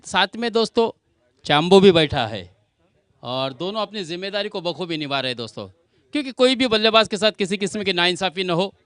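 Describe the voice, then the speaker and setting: Bright, high-voiced male cricket commentator. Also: no echo. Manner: addresses viewers as friends, explanatory.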